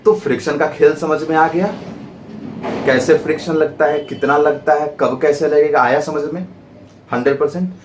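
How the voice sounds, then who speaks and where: A man teaches physics to exam students in a lively, theatrical way, acting out friction as if it were begging and often asking the class whether they follow. He sounds a bit distant from the mic, with a roomy echo and a faint hum behind him. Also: on the high side, moderate pace. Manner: dramatic, personifies friction pleading; asks students rhetorical checks. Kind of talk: exam-prep lecture.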